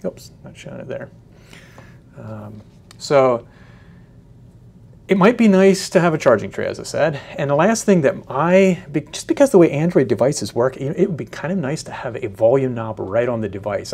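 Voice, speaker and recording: A man giving a casual, unscripted product demonstration in a hesitant, halting way, often searching for words. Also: medium pitch, animated, vocal fry, darkish tone, slightly rough. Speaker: product reviewer.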